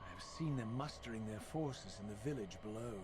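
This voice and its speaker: An actor playing a bitter, proud undead wraith in a video game, speaking in a formal, theatrical way. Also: male voice, on the low side, expressive, fairly quick, background noise, natural voice. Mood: grave. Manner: formal, dramatic, theatrical delivery. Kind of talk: scripted video game cutscene acting. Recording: echoey, distant game audio over music.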